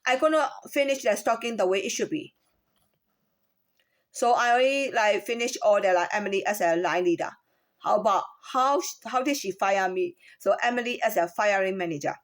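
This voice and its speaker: A woman with a Chinese accent gives a halting personal account of a workplace complaint, often repeating words and asking rhetorical questions. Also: medium pitch. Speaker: former store employee.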